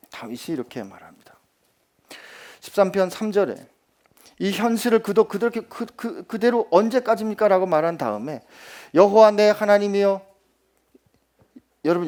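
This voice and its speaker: A male pastor delivering a sermon, moving between loud, emphatic pleading and soft near-whispers, and putting rhetorical questions to his listeners. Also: a little high. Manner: asks the congregation rhetorical questions.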